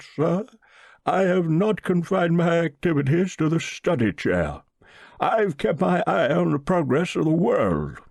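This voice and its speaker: A man voicing a pompous, pious old millionaire with a solemn, slow drawl in an audiobook story. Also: fairly high pitch, gravelly, darkish tone, husky, dry recording, clean studio sound, pitched above the performer's own voice, heavily acted. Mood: pious, grandiose. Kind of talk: audiobook character voice.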